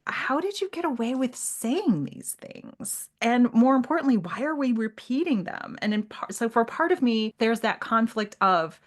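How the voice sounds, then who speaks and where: A woman hosting a literary discussion in a conversational, expressive and emphatic way, often acting out the remarks she quotes. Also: fairly high pitch, moderate pace, hardly any pauses. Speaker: podcast host.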